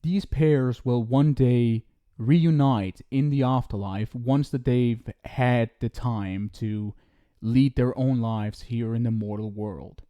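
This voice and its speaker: A man's voice: mid-range voice, takes it slowly, lo-fi sound. A young man in an ASMR roleplay, scolding the listener in a teasing but caring way. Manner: scolding yet affectionate, playful teasing.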